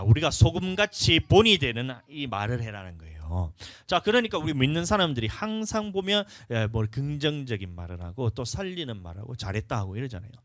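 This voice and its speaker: Lively pastor man preaching, dry sound. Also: medium pitch, no echo. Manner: animated, playfully acts out what people say. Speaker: senior pastor. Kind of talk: lively sermon. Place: church sanctuary.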